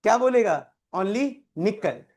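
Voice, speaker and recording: A man's voice: high-pitched, expressive, takes it slowly, a little mellow. A man teaching a chemistry class, quizzing students by name and repeating key terms. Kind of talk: live classroom tutoring.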